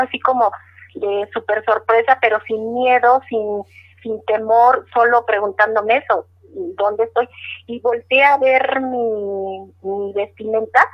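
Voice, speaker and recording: A middle-aged woman, earnestly telling a personal story in an interview, repeating words as she recalls it. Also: a little high. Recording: dull lo-fi audio.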